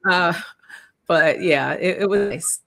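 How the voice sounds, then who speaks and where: A woman with a slightly raspy voice from a recent cough, casually co-hosting a live stream and greeting viewers by name. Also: lowish voice, slow, fairly bright tone. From Canada. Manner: easygoing, laughs often, greets viewers by name. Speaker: tarot channel co-host. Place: home room, live stream. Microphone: computer mic on a live call.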